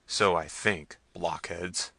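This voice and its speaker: A man's voice: low-pitched, fairly even intonation, takes it slowly, creaky, sharp tone, no echo, exaggerated voice. A man voicing an imperious, short-tempered prince in a gothic story, commanding and scornful. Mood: impatient, scornful. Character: imperious, hot-tempered prince and castle lord. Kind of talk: dramatised gothic novel reading.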